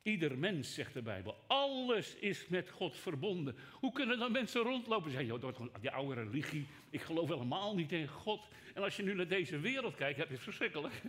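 Male pastor, mid-high voice, emphatic sermon swinging loud to hushed, talks right to the congregation. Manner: emphatic, swinging between raised and hushed delivery; rhetorical, addresses listeners directly.

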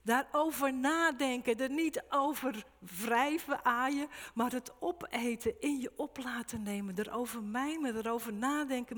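A woman's voice: high-pitched, fairly bright tone, in a large hall. A woman preaching a sermon at a church service, speaking in short, emphatic, repeated phrases.

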